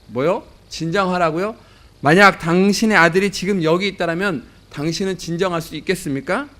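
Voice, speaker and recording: A man's voice: high-pitched, a little fast. A man voicing an angry father who demands answers from a doctor in a story told during a sermon. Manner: shouting accusations. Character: angry frantic father of injured boy.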